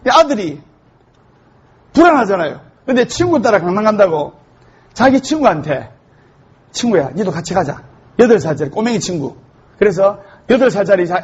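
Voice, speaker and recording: Male Buddhist monk preaching with jokes: very high, husky voice on a dull lo-fi recording. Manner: joke-telling, animated storytelling. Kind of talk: humorous sermon.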